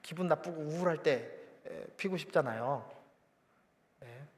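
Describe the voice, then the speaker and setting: A man in his thirties preaching a conversational, animated sermon as a pastor in a church sanctuary. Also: fairly high pitch, unhurried. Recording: reverberant church hall.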